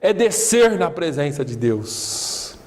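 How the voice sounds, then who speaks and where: A male pastor preaching a sermon earnestly, quoting scripture slowly and swelling louder for emphasis. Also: on the high side, very animated. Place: church. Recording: echoey church hall.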